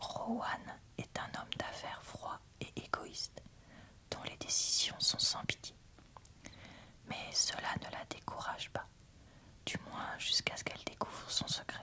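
Whispering broken by long, frequent pauses. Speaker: book reviewer. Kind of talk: casual book review, reading a summary aloud. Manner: soft, close ASMR reading voice.

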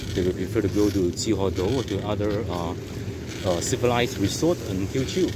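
Against loud background noise, a man speaks at a moderate pace with ordinary pitch variation in a dry sound with no echo. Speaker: solo cyclist vlogger. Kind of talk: casual vlog chat. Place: bicycle. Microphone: phone near.

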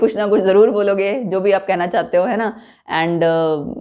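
Over a quiet background, a woman speaks with a dark, mellow tone and ordinary pitch variation. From India. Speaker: chemistry teacher. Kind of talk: lecture. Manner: casual, chatty. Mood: warm, friendly. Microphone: lapel.

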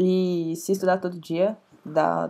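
A woman speaks in a dark, mellow tone with flat, monotone intonation. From Brazil. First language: Portuguese (speaking French). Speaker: language student. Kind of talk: testimonial. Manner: halting, many hesitations and repetitions. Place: home room. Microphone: earbuds.

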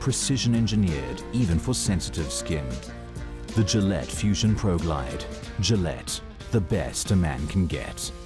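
Over clear background music, a man with a very deep, low voice speaks fairly slowly with very wide pitch swings, the sound dry with no echo. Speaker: voice actor. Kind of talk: TV commercial read. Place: studio. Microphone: studio mic.

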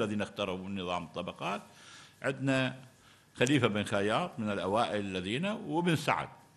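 Moderate speed with very wide swings in pitch. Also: man. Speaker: lecturer on manuscript editing. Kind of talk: lecture. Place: hall. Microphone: podium.

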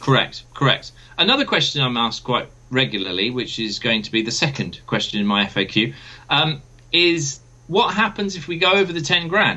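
With vocal fry and a fairly high pitch, a man talks at a moderate pace. His pitch swings very widely. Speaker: documentary filmmaker; guest. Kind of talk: casual chat. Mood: earnest, emotional. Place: home room. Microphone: video call.

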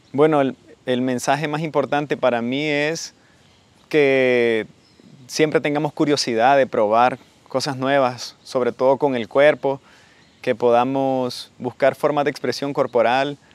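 A monotone, flat delivery at a fairly slow pace, in a dry, close sound with no echo. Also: man, medium pitch for a man. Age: 30s. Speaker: capoeira practitioner. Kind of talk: interview testimony. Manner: halting, frequent repetitions.

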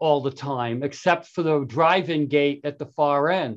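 This is a man's voice. He speaks at a very slow pace. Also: quiet background. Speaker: guest. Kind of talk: presentation. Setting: video call. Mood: relaxed, storytelling. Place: home room. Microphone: video call.

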